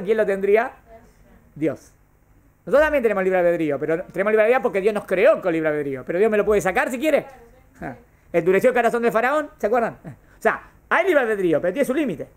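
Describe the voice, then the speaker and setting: Man as a Torah teacher, questions the class and answers himself. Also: sits high. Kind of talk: classroom lesson on Jewish thought.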